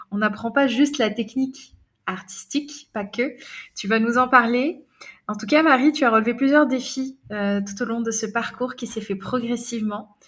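Upbeat woman podcast host. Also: fairly high pitch. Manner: upbeat, many "euh" fillers. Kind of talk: podcast interview.

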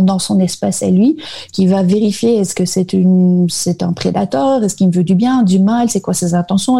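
Husky, gravelly Belgian-born woman. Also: mid-range voice, warm tone. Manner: halting, many restarts. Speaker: guest. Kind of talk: casual interview talk. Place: remote recording from Canada.

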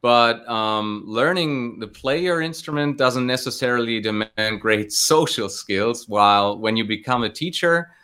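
A man's voice: medium pitch, a little slow, few pauses, sharp tone, smooth. A man giving casual interview answers as a guest, thinking his way through with hesitant phrasing. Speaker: interview guest, guitar teacher.

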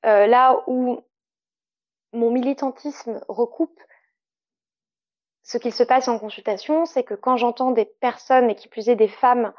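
A woman in a fairly high voice. She explains her points emphatically, in the conversational way of a podcast guest. The sound is close and dry, slightly muffled and lo-fi. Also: steady tone, unhurried, long pauses, darkish tone, no echo. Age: 30s. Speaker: interviewed guest, clinical sexologist.

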